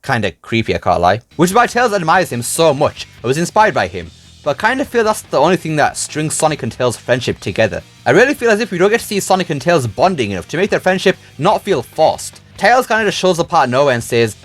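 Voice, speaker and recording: A man with a slightly high voice delivers a scripted review in a casual, conversational way. His pitch moves around a lot as he gives his opinions, and faint music plays underneath. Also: big pitch swings, fast talker. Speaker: video reviewer, channel host.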